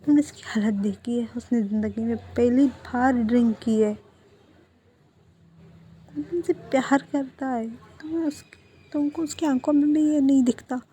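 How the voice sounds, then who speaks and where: A woman's voice: high-pitched, steady tone, measured pace, warm tone, husky, exaggerated voice. A woman voicing a hot-tempered young man who scolds and defends his best friend in a read-aloud story. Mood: angry. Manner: scolding, heated.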